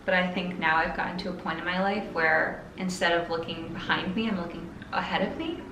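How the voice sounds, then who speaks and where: A woman's voice: on the low side, fairly even intonation, brisk. A woman in her twenties chatting casually in a bubbly, playful, hyperbolic way as a sewing vlogger. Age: 20s. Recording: roomy echo, music behind. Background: music.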